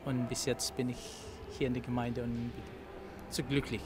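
A Catholic priest from the Philippines with a Filipino accent, answering interview questions slowly and searching for words. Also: male voice, medium pitch, level tone, over music. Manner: halting, searching for words with many fillers. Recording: noticeable background noise.

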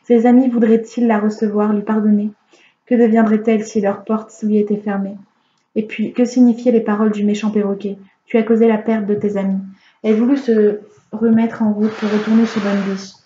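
A woman reading a fairy tale aloud as an audiobook reader, in a calm, measured storytelling manner. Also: medium pitch. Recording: roomy, slightly dull home recording.

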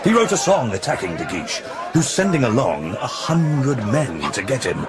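An actor playing a worried theatre-goer, fretting in asides in a period radio drama. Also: male voice, medium pitch, very animated, moderate pace, natural voice. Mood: puzzled worry. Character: worried, fretful friend among theatre-goers. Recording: loud crowd and music behind.

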